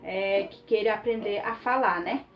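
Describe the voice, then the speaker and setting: A woman's voice: mid-range voice, moderate pace. Chatty teacher woman, lo-fi. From Mato Grosso do Sul, Brazil. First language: Guarani. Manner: chatty, many fillers, encouraging. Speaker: Guarani language teacher. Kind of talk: casual online language lesson. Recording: dull lo-fi sound with faint music.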